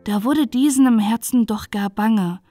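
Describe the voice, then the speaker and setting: A woman reading a dark bedtime fairy tale aloud in a calm, even narrating voice. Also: a little high, measured pace, dry recording, faint music behind. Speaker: storyteller.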